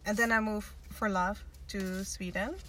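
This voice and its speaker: Podcast guest, woman in her 20s, Dutch first language, bright tone, loose and chatty. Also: medium pitch, fairly even intonation, a little slow, slight background noise. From Netherlands. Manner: chatty, many fillers and restarts. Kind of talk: casual interview chat.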